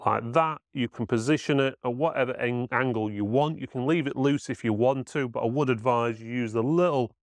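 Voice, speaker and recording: A man's voice: medium pitch, brisk, hardly any pauses, dry recording. A man giving a casual, matter-of-fact hands-on product demonstration as a reviewer.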